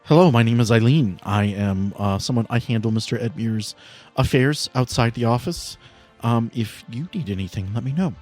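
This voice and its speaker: A man voicing a polite, welcoming female vampire office greeter, apologetic and a little halting, in a tabletop game. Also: mid-range voice, lively intonation, a little mellow, faint music behind, natural voice. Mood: polite, helpful.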